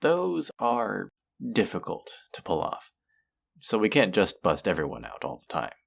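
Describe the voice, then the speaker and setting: Audio roleplay villain , male actor: courteous, polished supervillain, creaky voice, highly animated intonation, measured and theatrical. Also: heavily acted. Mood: businesslike, inviting. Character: suave, pleasant male supervillain interviewing a minion recruit. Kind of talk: scripted roleplay audio drama, conversational monologue.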